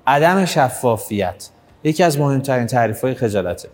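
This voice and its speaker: A man's voice: medium pitch, expressive, a little mellow, big-room sound. A man leading a live workshop, talking directly to the audience and urging them on. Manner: direct, coaxing, urges the audience on. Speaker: workshop trainer. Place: hall with an audience.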